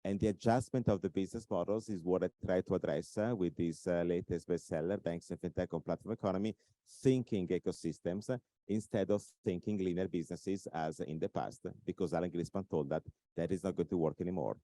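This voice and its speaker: This Italian-accented man has a low, mellow voice. He explains his points in an interview, filling pauses with uhs and leaning on the key phrases. The sound is close and dry. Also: no echo. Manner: explanatory, many filler uhs, emphatic points. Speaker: author and expert speaker. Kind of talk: recorded interview talk.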